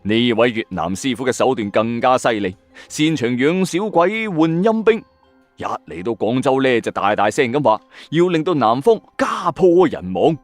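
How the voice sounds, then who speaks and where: Animated Hong Kong Cantonese male storyteller. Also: mid-range voice, moderate pace, no room sound. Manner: suspenseful, colloquial, exclamatory asides. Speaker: host of a ghost story audio channel. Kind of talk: dramatic late-night storytelling narration. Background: background music.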